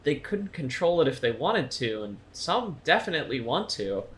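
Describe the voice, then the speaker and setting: A man's voice: on the high side, sing-song, moderate pace, fairly bright tone. A man playing a thoughtful monster investigator in an audio drama, explaining things in a tentative way. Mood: curious. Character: Reese, thoughtful, well-informed male monster investigator. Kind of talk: naturalistic audio drama dialogue.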